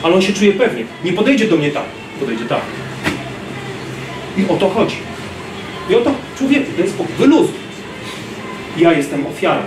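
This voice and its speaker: A man in his thirties giving an animated self-defense lecture to a class, acting out street scenes, filmed by a distant camera in a large gym. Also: high-pitched, moderate pace, pauses often, background noise. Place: large gym hall, indoors. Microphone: far camera. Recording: roomy gym echo from far off.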